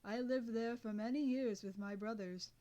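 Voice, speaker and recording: A woman voicing a deaf elderly man who speaks slowly and wheezes, lower than her usual voice. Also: steady tone, dark tone, highs cut off, close to an everyday voice. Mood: nostalgic. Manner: slow, low and wheezy. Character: elderly male, wheezing, slow, deaf, turns hostile.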